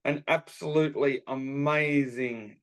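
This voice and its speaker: Here a slightly slow Australian man with a medium pitch and fairly even intonation rattles off scores as co-host of a laid-back sports podcast. He describes them with enthusiastic, colourful language.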